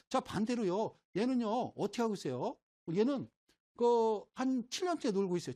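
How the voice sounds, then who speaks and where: Lively folksy middle-aged male lecturer. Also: high voice. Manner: folksy, keeps asking "right?" to check the audience follows; explains with everyday homespun examples while drawing. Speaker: stock market lecturer. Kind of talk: informal recorded lecture.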